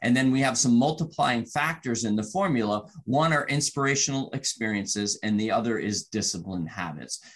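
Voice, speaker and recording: In a plain, everyday voice, a man speaks fairly quickly at a medium pitch with lively intonation and hardly any pauses. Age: 50s. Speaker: sales coach. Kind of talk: interview.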